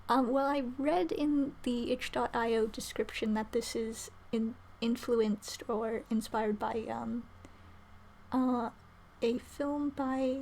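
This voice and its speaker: A woman's voice: high-pitched, darkish tone, slight background noise. A woman reading a visual novel aloud on a live stream, dropping in chatty asides.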